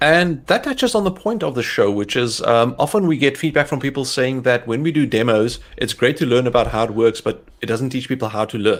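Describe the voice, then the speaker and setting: Speaking with a South African accent, a man keeps a fairly quick pace with hardly any pauses, a medium pitch and ordinary pitch variation. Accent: Afrikaans South African. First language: Afrikaans. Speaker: tech livestream co-host. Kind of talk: live coding stream chat. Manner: fast.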